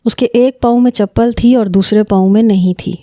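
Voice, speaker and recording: A woman telling a first-person romance story in a steady, plain storytelling manner. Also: on the high side, no room sound, studio quality.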